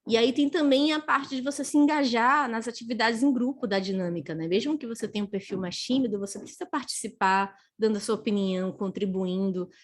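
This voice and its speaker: A woman's voice: on the high side, brisk, hardly any pauses. A woman giving a live online career talk, chatting to viewers and tagging her phrases with a questioning "né?". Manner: chatty, tags nearly every phrase with a questioning "né?"; reads and answers viewer comments as she goes. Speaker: career speaker.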